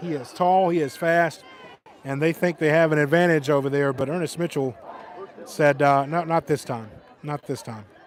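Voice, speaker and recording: Amid noticeable background noise, a man with a fairly high pitch speaks with long, frequent pauses. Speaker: football play-by-play announcer. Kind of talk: live commentary. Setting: stadium near the band. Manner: loud.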